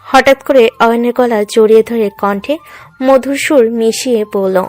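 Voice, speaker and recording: Female narrator, fairly high pitch, dramatic scripted storytelling, music underneath. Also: a little slow, darkish tone.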